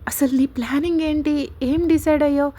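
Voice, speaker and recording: A woman's voice: high-pitched, steady tone, a little fast, mellow, natural voice. A woman reading a story aloud voices a scheming young best friend who talks in a teasing, persuasive way.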